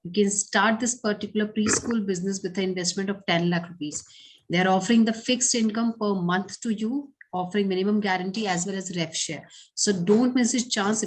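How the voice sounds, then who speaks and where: A woman's voice: medium pitch, fairly even intonation, fairly quick, a little hiss or hum, low-quality recording. A woman giving formal, promotional closing announcements for a webinar. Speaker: webinar co-host.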